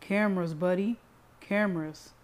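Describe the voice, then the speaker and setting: A woman's voice: mid-range voice, slow, a little mellow, natural voice. A smug, crude young man, played by a woman narrator, needles and teases in an annoying tone. He is the taunting brother of an audiobook drama. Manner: teasing, smug, hissing. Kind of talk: audiobook character reading.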